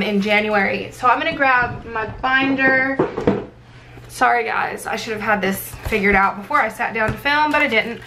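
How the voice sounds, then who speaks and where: A woman with a hoarse, sick-sounding voice that is giving out, chatting casually and thinking aloud as she records a vlog at her desk. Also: a little high, pushed and bright. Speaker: planner vlogger and sticker shop owner. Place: indoors at a desk. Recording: clear background noise.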